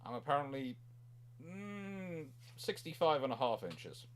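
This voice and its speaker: A man's voice: fairly high pitch, animated, unhurried. A man hosting a casual panel chat, explaining things in a rambling, digressive way with repeated words. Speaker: naval history show host.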